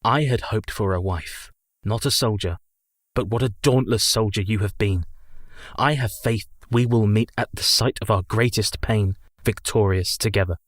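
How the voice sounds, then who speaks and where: An actor playing an earnest young husband in a radio play, measured and resolute. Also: male voice, on the low side, no echo, clean studio sound, close to an everyday voice. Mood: tender. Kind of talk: community radio play acting.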